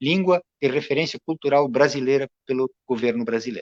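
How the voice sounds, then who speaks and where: The sound is dry and close, with no echo. A man speaks at a moderate pace with ordinary pitch variation. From Serra Gaúcha, Rio Grande do Sul, Brazil. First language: Talian (Venetian dialect) (speaking Portuguese). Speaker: dentist and cultural association president. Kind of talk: interview.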